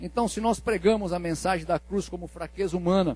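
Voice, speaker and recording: A man with a Brazilian accent talks at a moderate pace. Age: 60s. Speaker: pastor. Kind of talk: sermon. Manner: halting.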